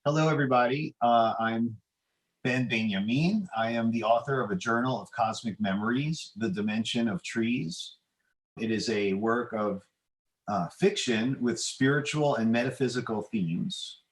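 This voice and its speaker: A middle-aged man, an author and podcast guest, answering in a hesitant, measured, modest way, with a roomy, echoing sound. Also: medium pitch. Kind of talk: conversational interview answers.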